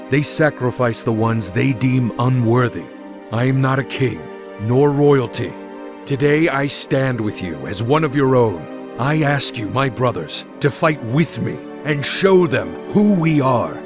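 An actor playing a battle-scarred, grim ship captain in a game cutscene, speaking in a solemn, deliberate, declamatory way. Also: male voice, medium pitch. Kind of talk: video game cutscene acting. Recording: music behind the voice.

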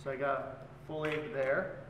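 A man's voice: mid-range voice, unhurried. A man in his forties, a chef teaching a cooking class and explaining each step as he works. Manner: relaxed, explains while working with his hands. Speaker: chef instructor. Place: large hotel function room, indoors. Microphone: far camera. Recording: echoey hall, voice from far off, loud background noise.

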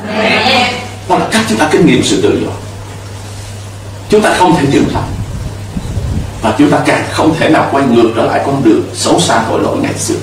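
A man's voice: a little high, very animated, a little fast, long pauses, heavy reverb, far from the mic, noisy background. A middle-aged man preaching a sermon from a church pulpit into a handheld mic, emphatic, with call-and-response to the congregation. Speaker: pastor. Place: church stage with pulpit and cross.

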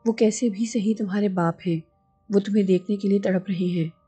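A woman reading a calm young husband. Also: medium pitch, a little fast, husky, faint music behind.

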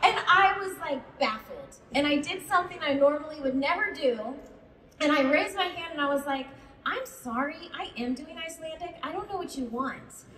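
High-voiced woman telling a story in an echoey hall. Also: moderate pace, recorded from a distance. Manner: animated storytelling, laughing. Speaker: voice actress panelist. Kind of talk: anecdotes on a stage panel. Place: large convention hall. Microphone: handheld mic, filmed from the audience over the PA.

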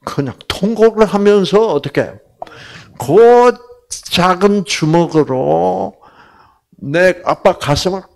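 Animated older man telling a story. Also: slow, gravelly. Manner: animated, acts out quotes with big pitch jumps. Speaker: lecturer. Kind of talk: Bible lecture with storytelling.

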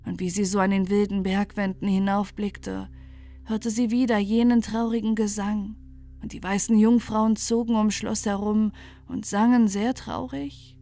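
Calm woman reading a bedtime fairy tale. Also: medium pitch, unhurried. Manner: calm, gentle, soothing. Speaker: storyteller.

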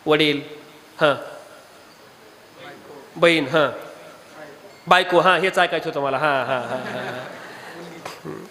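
A man with a Marathi accent preaching a devotional kirtan sermon, animated and throwing rhetorical questions at the audience. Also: sits high, big-room sound.

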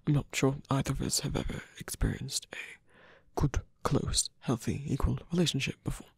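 Man acting a very breathy, hesitant villain in love. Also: mid-range voice, no room sound. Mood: guarded, tender. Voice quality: breathy, often dropping to a whisper. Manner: halting, hesitant delivery with pauses. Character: guarded, lovestruck male villain, hesitant and tender. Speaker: ASMR roleplay voice actor. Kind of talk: ASMR romantic roleplay, intimate and halting. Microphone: close dry microphone.

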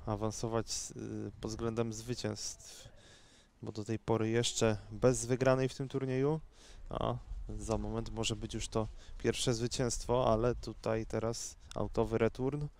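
A man giving unhurried, conversational live tennis commentary in a measured, somewhat hesitant way. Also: lowish voice, little pitch movement, a little mellow, a little hiss or hum.

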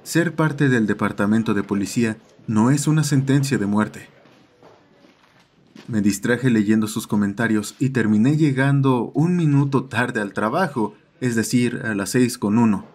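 A man's voice: medium pitch, measured pace, darkish tone. A man doing scripted first-person narration for an audio horror story.

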